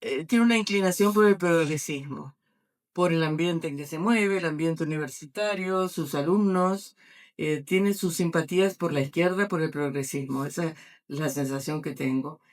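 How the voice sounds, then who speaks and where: An older woman with an Argentine accent, an author answering questions at a book presentation, speaking haltingly with many fillers and restarts. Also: low-pitched. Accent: Argentine Spanish.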